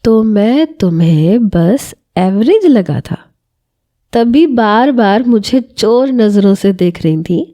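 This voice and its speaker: A woman's voice: mid-range voice, lively intonation, lightly acted. A woman voicing a young newly married husband in a romantic audio story, possessive but tender, moving between curt scolding and coaxing affection. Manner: curt when angry, softening to coaxing and affectionate.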